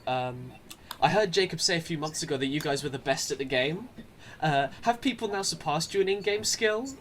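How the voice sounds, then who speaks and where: A man's voice: a little high, lively intonation, fairly quick, fairly bright tone, a little hiss or hum. Man dryly reading out viewer questions. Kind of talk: casual live-stream chat.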